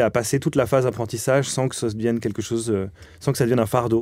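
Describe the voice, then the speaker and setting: The voice has a dark, mellow tone and fairly even intonation. The recording is very clean, with a silent background. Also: man. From Normandy, France (Caen). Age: 30s. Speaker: electronic music composer. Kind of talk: interview monologue. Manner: hesitant, many fillers.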